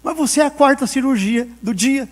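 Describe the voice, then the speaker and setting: A man's voice: very high-pitched, brisk. A male pastor preaching a sermon, telling a personal story and acting out the dialogue with frequent laughter.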